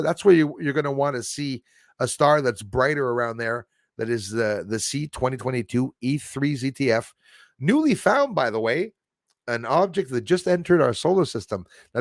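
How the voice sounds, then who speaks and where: An enthusiastic man hosts a casual livestream in a mid-pitched voice. He rambles along in a chummy way, talking straight to his listeners. The sound is dry and close, with little room in it. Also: creaky, no echo. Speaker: livestream host. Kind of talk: casual livestream chat with viewers.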